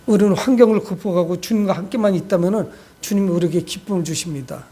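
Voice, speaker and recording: A man's voice: high voice, fast, mellow. A man preaching a sermon as a pastor, exhorting his congregation with frequent direct appeals and rhetorical questions. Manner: exhortative, addresses listeners often with rhetorical questions.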